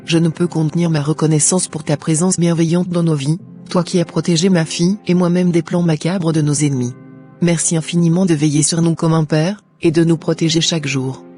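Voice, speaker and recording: A man voicing a devout, grateful Christian mother in an animated morality tale, speaking in a formal, declamatory, husky way. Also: fairly high pitch, fairly quick, soft background music, lightly acted. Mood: grateful, prayerful.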